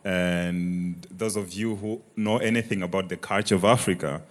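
A man's voice: deep voice, steady tone, normal speed. A young man from Malawi with a Malawian accent, sharing his story earnestly in an onstage church interview. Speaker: church member guest. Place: large church auditorium, on stage. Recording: reverberant church hall.

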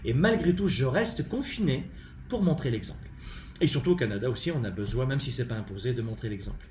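A man with a French accent gives an emphatic, animated live-streamed talk on leadership from his home, his voice in the middle range. He stops often on hesitant fillers. The room sounds roomy, with faint ambience behind him. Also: medium pitch, fast talker, a little hiss or hum. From France. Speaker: leadership coach and live show host.

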